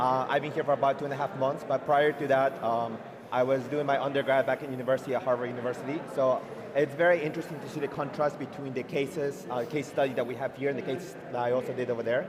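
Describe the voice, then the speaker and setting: A man's medium-pitched voice in a Spanish accent, monotone and flat, at a very fast pace over noticeable background noise. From South America. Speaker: master's student. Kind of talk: panel interview.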